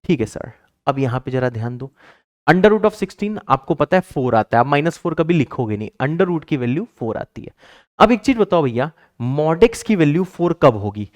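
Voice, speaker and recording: A man's voice: on the high side, sing-song, moderate pace, a little mellow, no echo, studio quality. A male math teacher giving an exam-prep lecture, emphatic and repetitive, raising his voice to stress points and teasing his students playfully.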